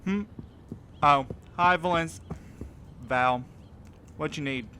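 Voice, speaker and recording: A man's voice: a little high, slow pace, sharp tone, slight background noise. A man playing a weary, guarded, grieving mail carrier in an audio drama. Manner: reluctant, guarded, terse. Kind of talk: naturalistic audio drama dialogue.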